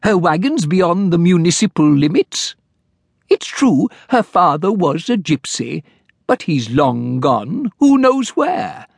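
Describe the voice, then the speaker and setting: A nervous little gnome-like clerk, pedantic and apologetic, as a man puts him on in a thin, raised voice that jumps up high. He talks slowly and carefully, in a dry, close sound. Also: sing-song, gravelly, husky, no echo, heavily acted. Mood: persisting. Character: fussy timid little male gnome-like clerk.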